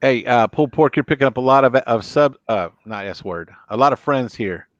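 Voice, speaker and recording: A man's voice: mid-range voice, lively intonation, brisk, no echo, lo-fi sound. A middle-aged man with an American accent, chatting casually as a livestream host and reading out comments. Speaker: livestream host, former law enforcement officer. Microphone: close microphone on a boom arm.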